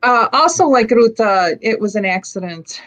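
A woman's voice: on the high side, lively intonation, normal speed, fairly bright tone, rough recording. A woman who grew up speaking Lithuanian in the United States, telling her family story reflectively on a video call from home. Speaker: panelist. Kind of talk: personal testimony on an online panel. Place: home room.

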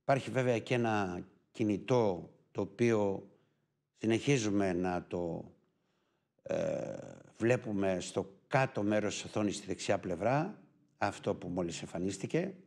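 A man with a Greek accent opens a live TV show as its host, speaking unhurriedly with frequent filler pauses. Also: lowish voice, animated, creaky, darkish tone.

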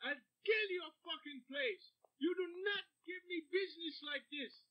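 A man's voice: very high-pitched, normal speed, lo-fi sound. A man playing an enraged foreign restaurant customer in broken English, screaming threats and sobbing with rage.

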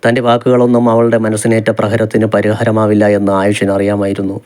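Guy reading a romance novel out loud, low voice, pretty flat, calm pace. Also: fast, smooth. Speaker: audiobook narrator. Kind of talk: scripted romance novel narration.

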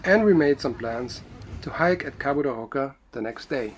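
A man whose first language is Dutch, calmly narrating a sailing vlog as voice-over. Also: medium pitch, moderate pace, slight background noise. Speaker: vlogger narrating a sailing trip.

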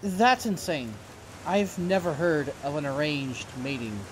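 A young male werewolf, played by a man, teasing and optimistic. His delivery is slow and full of lively swings, in audio drama style over faint ambient noise. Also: on the high side. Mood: encouraging. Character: teasing, upbeat werewolf friend, twenty-three.

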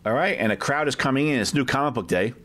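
A man with a medium-pitched, sharp-toned voice talks fast and animatedly during an informal tour of a crowded, medium-sized shop. He's a vlog host and comic collector filming on his own handheld camera, chatty and unscripted, often tacking on questions.

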